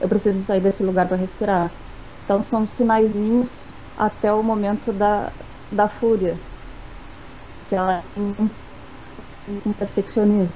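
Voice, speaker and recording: A woman at medium pitch, slow-paced and monotone, with very even loudness, long, frequent pauses, and noticeable background noise. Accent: southern Brazilian. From southern Brazil. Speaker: RPG player. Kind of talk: casual chat.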